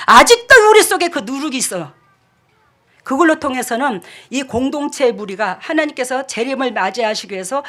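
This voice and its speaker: A woman pastor preaching a sermon, scolding and emphatic, jumping between loud outbursts and quiet asides. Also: high-pitched.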